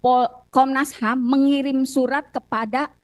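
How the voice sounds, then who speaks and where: An Indonesian woman giving courtroom testimony as a witness and lawyer, recounting details haltingly with repeated phrases. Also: high-pitched, fairly even intonation, no echo, clean studio sound. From Cirebon, Indonesia.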